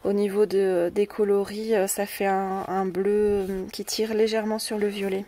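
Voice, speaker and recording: She speaks at a normal speed with a warm, medium-pitched voice that moves little in pitch. Hosting a scrapbooking video with a French accent, she casually shows off a craft haul, hesitating and repeating words amid many fillers. The recording has a distant mic and faint noise.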